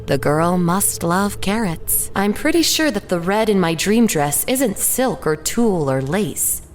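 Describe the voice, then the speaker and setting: An actress playing a wistful, uneasy woman artist who narrates her own story in a measured, reflective audio drama style. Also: mid-range voice, big pitch swings. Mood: uneasy, brooding. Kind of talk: first-person scripted audio drama narration. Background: music behind the voice.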